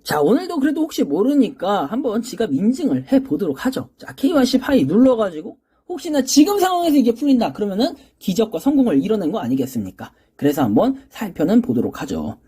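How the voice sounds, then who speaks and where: A woman with a hoarse throat hosting her own channel, giving casual spoken commentary as she explains what is on her screen and often starts sentences with a prompting word. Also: medium pitch, sing-song, fast talker, few pauses, dark tone. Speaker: crypto channel host.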